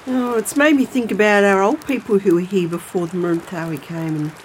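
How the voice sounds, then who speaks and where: A woman's voice: medium pitch, steady tone, brisk, slight background noise, lightly acted. An actress playing an elderly Aboriginal Australian grandmother in an audio drama, homely and colloquial, anxious but wise. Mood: wistful storytelling. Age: older. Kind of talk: naturalistic audio drama dialogue and storytelling.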